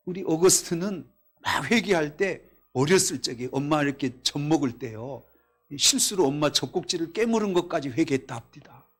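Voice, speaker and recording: A man preaching a Korean sermon at a Friday night service, reading scripture aloud, telling stories and asking the congregation questions, swinging between loud exclamations and quiet asides. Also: high-pitched. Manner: reads scripture in a raised voice. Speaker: pastor. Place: church.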